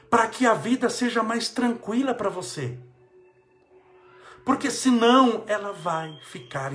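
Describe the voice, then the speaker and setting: A politician with a Brazilian Portuguese accent gives a motivational religious talk offering life advice, speaking emphatically and repeating phrases for stress. His voice is high and a bit bright.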